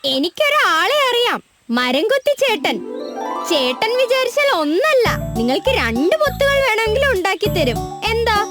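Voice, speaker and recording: A cheerful young cartoon animal child with an extremely high voice. The delivery swoops in a lively way, eager to help. Music plays underneath. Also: normal speed. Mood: friendly, helpful. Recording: music bed behind the voice.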